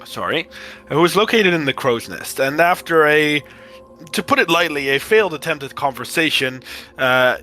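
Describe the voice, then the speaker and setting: A man recapping last session of a tabletop game, his voice hoarse and worn. He speaks in a fairly high, bright and forceful tone. He halts often with fillers and clears his throat. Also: lively intonation, normal speed, soft background music. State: hoarse, voice shredded. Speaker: player giving session recap.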